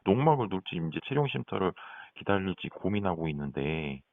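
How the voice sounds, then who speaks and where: A man on a phone call with his voice shifted deep by a voice changer, asking quick probing questions of an official. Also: very animated, creaky, no echo. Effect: voice pitch-shifted deep by a voice changer. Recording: tinny, dry phone line.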